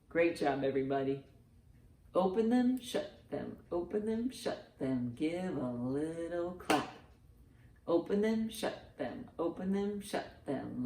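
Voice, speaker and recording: A woman's voice: low voice, darkish tone. A woman hosting a children's storytime, reading and chanting rhymes in a sing-song, encouraging way for young children. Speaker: children's librarian, storytime host. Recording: roomy, echoing sound.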